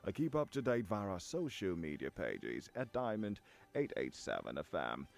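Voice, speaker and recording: A man's voice: low voice, huge pitch swings, normal speed, vocal fry. A man with a Nigerian accent reading headlines and presenting on the radio as a host. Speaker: newsreader and radio show host. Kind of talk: scripted radio news bulletin and presenting.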